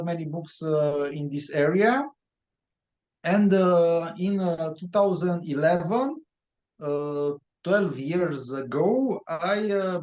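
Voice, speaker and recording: A Romanian man with a Romanian accent, answering interview questions in English with many pauses and fillers. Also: high-pitched. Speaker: guest author. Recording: roomy, dull lo-fi sound.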